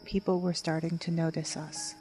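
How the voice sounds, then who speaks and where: An actress playing a level-headed woman who tries to keep the peace, speaking in a measured, placating way in an audio drama. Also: sits low, little pitch movement, lightly acted. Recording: music bed under voice.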